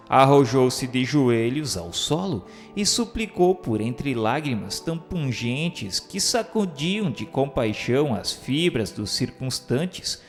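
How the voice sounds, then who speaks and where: A Brazilian man giving solemn, declamatory narration of a religious radio novel in literary language. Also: medium pitch. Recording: long reverberant hall sound, music behind. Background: soft instrumental music.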